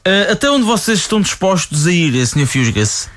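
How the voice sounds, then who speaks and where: A man's voice: high voice, big pitch swings, moderate pace, fairly bright tone. A man playing a polite radio interviewer in a comedy sketch, with a European Portuguese accent, dry and hesitant with many fillers.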